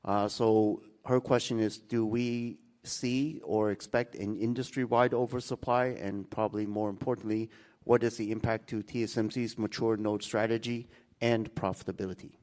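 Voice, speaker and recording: Male moderator, slightly deep voice, formal and organized, restating questions clearly for executives. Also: steady tone, moderate pace, a little mellow. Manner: orderly, courteous. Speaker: moderator of the earnings call.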